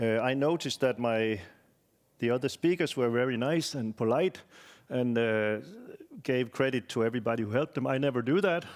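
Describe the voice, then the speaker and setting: With a Danish accent, a man of medium pitch talks at a fairly quick pace with ordinary pitch variation and long, frequent pauses, on a very clean recording against a silent background. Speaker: scientist. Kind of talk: conference presentation. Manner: fast.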